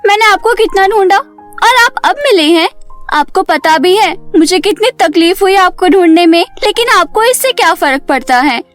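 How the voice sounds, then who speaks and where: A woman's voice: extremely high pitch, animated, moderate pace, soft background music. A woman voicing a hot-tempered young serpent woman in a cartoon story, with dramatic, emotional delivery. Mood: indignant, reproachful.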